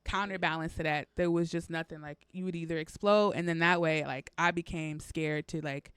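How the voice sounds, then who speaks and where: A woman's voice: low voice, fairly even intonation, moderate pace, fairly bright tone, clean tone, dry recording. Female podcast co-host, open and chatty, close, dry mic sound. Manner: candid, laughs often, many "like" fillers. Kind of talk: casual chat.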